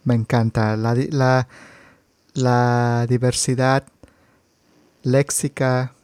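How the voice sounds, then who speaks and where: A man's voice: medium pitch, level tone, slow, a little mellow, clean tone, no room sound. A Mexican man hosting a Spanish lesson, explaining words for learners and laughing easily. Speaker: podcast host and Spanish teacher. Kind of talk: slow teaching conversation for learners.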